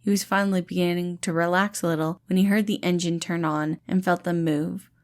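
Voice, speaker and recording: A woman's voice: fairly low pitch, steady tone, fairly quick. A woman narrating a scripted story as an audiobook-style reader of fan fiction.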